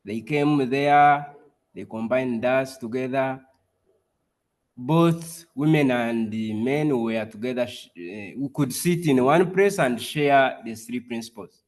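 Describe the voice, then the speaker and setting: A man gives a personal testimony as a guest speaker on a video call, pausing often and restarting his sentences. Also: mid-range voice. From Uganda. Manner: halting, with frequent pauses and restarts. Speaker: community group leader, guest speaker.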